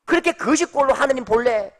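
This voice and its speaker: A man's voice: very high-pitched, animated, quick pace. A man voicing a scornful male Satan who taunts and jeers. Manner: taunting, jeering insults.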